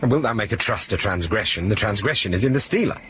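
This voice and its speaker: An actor playing a genial prince in a Shakespeare radio play, speaking in an easygoing, amused way. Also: male voice, lowish voice, animated, quick pace, a bit bright, a little hiss or hum.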